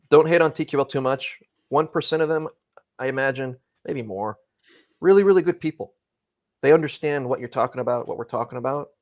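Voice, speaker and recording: A man who used to be a freight broker, giving casual, candid advice in conversation, often restarting his sentences as he talks. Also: medium pitch. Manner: rambling, frequent self-restarts, candid. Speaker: former freight broker, guest.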